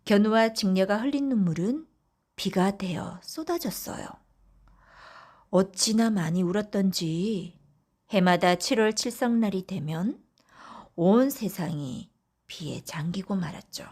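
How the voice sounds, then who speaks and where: A woman narrating folk tales for bedtime in a soft, often whispery, gentle voice. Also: mid-range voice, lively intonation, unhurried. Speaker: audiobook narrator.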